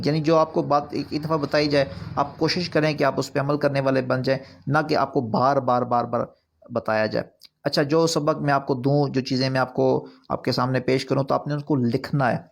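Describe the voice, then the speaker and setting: A man whose voice is medium-pitched and gravelly runs an online recitation course. Earnest in his explanations, he repeats points with ever stronger emphasis; he is not a native Urdu speaker.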